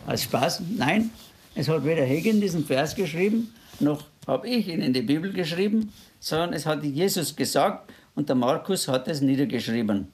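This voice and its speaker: A man's voice: on the high side, expressive, normal speed, darkish tone. A man preaching a sermon in earnest, quoting scripture in a raised voice.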